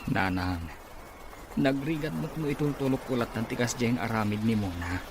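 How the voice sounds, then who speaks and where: A man's voice: medium pitch, normal speed, natural voice. A man playing an aggrieved married son in an Ilocano audio drama. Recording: noisy amateur recording.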